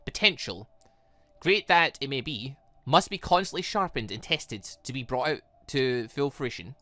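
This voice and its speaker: A man's voice: medium pitch, lively intonation, unhurried, sharp tone, no echo. A man voicing a smug, condescending male villain in a visual novel game, with a pompous, lecturing delivery.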